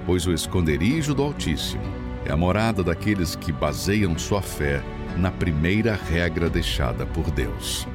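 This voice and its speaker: A man giving a scripted sermon narration in a solemn, admonishing way with dramatic pauses. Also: deep voice, very animated. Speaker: preacher narrator. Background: music.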